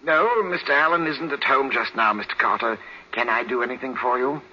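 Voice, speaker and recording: A man's voice: mid-range voice, brisk, over loud music, natural voice. A man playing a formal, polite household servant with precise, deferential speech in a 1940s radio drama. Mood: polite, reserved. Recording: muffled vintage radio recording, heavy noise.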